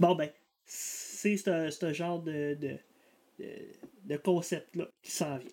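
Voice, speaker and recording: A man with a Quebec accent speaks in a high, dark and mellow voice at a very slow pace, with long, frequent pauses, fairly even intonation and big swings in loudness. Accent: Québécois French. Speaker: college teacher and tech video host. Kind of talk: casual weekly news vlog. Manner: hesitant, many fillers and repetitions.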